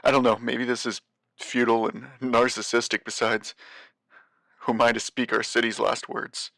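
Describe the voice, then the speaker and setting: An actor playing an anxious, weary man taping a warning in an audio drama, halting and self-doubting as he rambles. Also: medium pitch, little pitch movement, vocal fry, fairly bright tone, dry recording. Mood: hesitant, uneasy. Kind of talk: audio drama monologue as a taped message.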